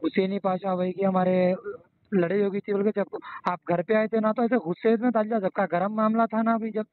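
A man's voice: high-pitched, level tone, fairly quick, dry recording. A man with a Hyderabadi accent explaining himself deferentially and repetitively as a caller on the phone. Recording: tinny narrowband phone line.

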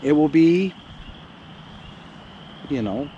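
This middle-aged homesteading vlogger talks casually from a camp chair in his yard, blunt and full of stories that turn animated in the retelling. His voice is a little high and extremely slow. The camera, a few meters off, captures lo-fi, noisy outdoor audio with an open feel and steady background noise.

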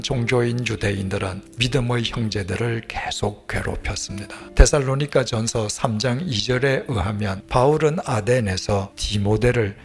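Older man preaching, gravelly low voice. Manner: measured, earnest preaching, trailing off to a hushed, breathy whisper at sentence ends. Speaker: pastor. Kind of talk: sermon. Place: plain studio stage, indoors. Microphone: headset mic.

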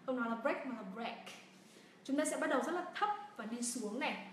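A woman with a Vietnamese accent teaching English pronunciation in a livestreamed lesson, drilling each word slowly and repeating it. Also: a little high. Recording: echoey room, voice from a distance, faint hiss.

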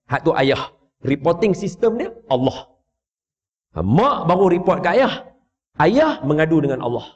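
A man giving a mosque lecture, telling stories lively and voicing the characters as he teases the audience. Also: fairly high pitch, measured pace. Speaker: religious preacher. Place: large mosque hall. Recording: echoey dull hall recording.

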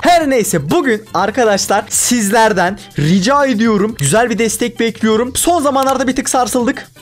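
A young man giving casual gameplay commentary, excitable and given to exaggerated frustration, talking to himself as he plays. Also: very high-pitched, normal speed, faint music behind. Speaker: gaming YouTuber.

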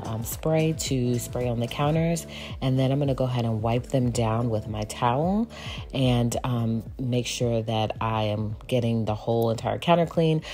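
A woman in her forties, a lifestyle vlogger, talking casually and homily about cooking and cleaning at home. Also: a bass voice. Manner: chatty, relaxed, homey. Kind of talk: casual cook and clean narration. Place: home kitchen. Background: soft background music.

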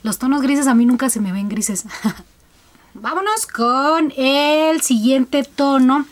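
A woman's voice: high voice, animated, takes it slowly. A young woman chatting casually to her viewers while reviewing colored contact lenses, with frequent fillers.

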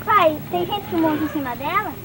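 A woman's voice: extremely high pitch, fairly quick, background noise. A Brazilian woman in casual family chat outdoors, picked up by a camcorder on old worn tape.

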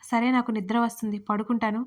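A gentle, affectionate young wife from a spoken story as a woman narrator puts her on. Her lines are plain and soft, fairly high and level in pitch. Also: level tone, quick pace, lightly acted.

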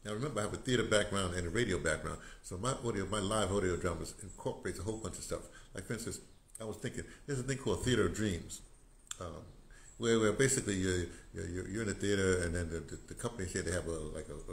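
An older man with a low-pitched, fast voice rambles and repeats words in a casual walk-and-talk vlog about audio drama, gesturing as he explains. He shows his small home and then a sunny outdoor patio, filming on a phone held at arm's length. The phone recording has clear background noise.

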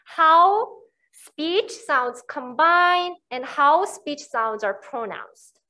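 A woman's voice: high-pitched, animated, pushed and bright. A woman with a Korean accent, a native speaker of Korean, giving a university lecture in an explanatory way with frequent checks like "right?". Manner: slow, explanatory, frequent "you know" and "right".

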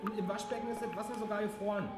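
An actress playing a businesslike police officer in an audio drama, with a clipped, official manner. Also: female voice, mid-range voice, fairly even intonation, racing, a little mellow, roomy sound, soft background music, lightly acted. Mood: observant. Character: businesslike female police officer assisting an inspector.

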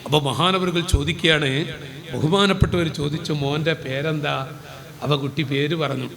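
A man's voice: fairly high pitch, fairly quick, creaky, a bit bright. Male preacher, fervent dramatic storyteller, long hall reverb. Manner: dramatic storyteller, fervent and rising at key moments. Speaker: Islamic preacher. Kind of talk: storytelling sermon. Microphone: live PA microphone.

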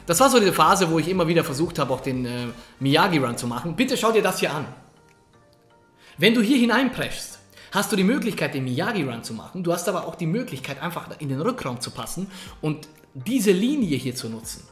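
A man giving energetic, colloquial coaching commentary over gameplay, talking straight to the viewer. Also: fairly high pitch, brisk. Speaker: gaming coach. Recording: echoey room. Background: faint background music.

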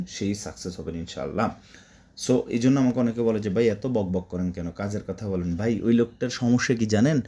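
Bengali guy teaching arabic phrases, goes up and down a lot, mellow tone, repeats stuff over and over. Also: medium pitch. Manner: repetitive, drilling words, chatty asides. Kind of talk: spoken Arabic lesson for Bangla speakers.

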